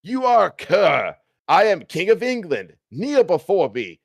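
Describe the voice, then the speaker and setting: A pompous English king, roaring with indignant defiance, as a man acts him out for a story. His voice is raised and somewhat high. The sound is dry and close. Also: wildly swooping pitch, slow, vocal fry, no echo, heavily acted. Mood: defiant, outraged.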